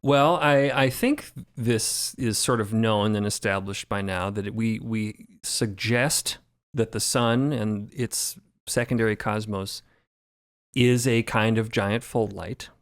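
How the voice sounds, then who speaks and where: A man with a fairly low voice talks through ideas at a podcast roundtable. The sound is dry and close, and his phrasing is measured and reflective. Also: dry recording. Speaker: podcast creator and sound designer. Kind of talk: roundtable discussion.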